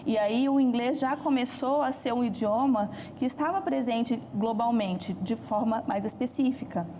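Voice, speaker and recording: Calm explaining Brazilian woman from Minas. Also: fairly high pitch, slight background noise. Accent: mixed Brazilian Portuguese, mineiro base. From Minas Gerais, Brazil. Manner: measured, explanatory, deliberate pauses. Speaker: language expert guest. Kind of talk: studio talk show discussion.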